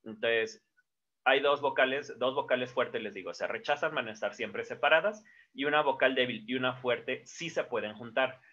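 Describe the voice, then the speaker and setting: A man's voice: mid-range voice, moderate pace, bright, forceful tone. A man, teaching a casual lesson at a board and explaining step by step with fillers and self-corrections. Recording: dull lo-fi sound.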